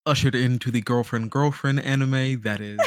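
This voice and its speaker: A man's voice: medium pitch, fairly even intonation, moderate pace, a little hiss or hum. A man co-hosting a podcast with casual, dryly teasing banter. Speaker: podcast co-host.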